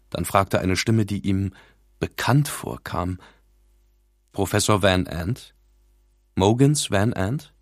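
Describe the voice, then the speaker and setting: A man reading an audiobook in a measured, dramatic scripted narration, recorded in a studio. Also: on the low side, dry recording.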